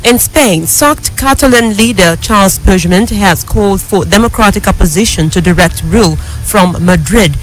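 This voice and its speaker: A woman with a Nigerian accent reads scripted radio news as an anchor, in a formal, measured way. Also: mid-range voice, over music, rough recording. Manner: formal, measured newsreader delivery.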